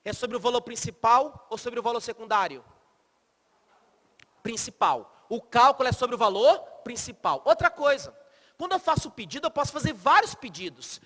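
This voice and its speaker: A man's voice: very high-pitched, expressive, moderate pace, bright, forceful tone, long reverb tail. A man teaching law in a classroom, blunt and profane, joking and quizzing the students as he goes. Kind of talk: lively classroom lecture.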